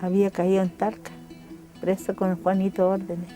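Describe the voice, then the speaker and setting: A woman's voice: mid-range voice, monotone, normal speed, mellow, faint music behind. An older woman with a Chilean accent gives a heartfelt documentary testimony, acting out the dialogue as she tells it. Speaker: mother of a political prisoner.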